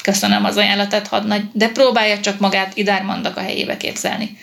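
A woman reading the lines of a calm, weary old male police captain in an audiobook. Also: medium pitch, creaky. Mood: calm reasoning.

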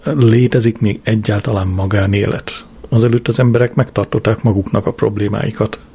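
A gossipy, disapproving female nurse, as a male reader puts her on, speaking slowly and in a low, gravelly register. Her voice stays husky and deep. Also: steady tone, mellow.

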